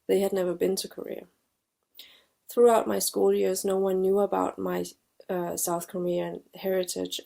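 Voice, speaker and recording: A woman in her forties, raised in Denmark, giving a measured personal testimony as a film director in a recorded video presentation. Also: mid-range voice, vocal fry, warm tone. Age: 40s.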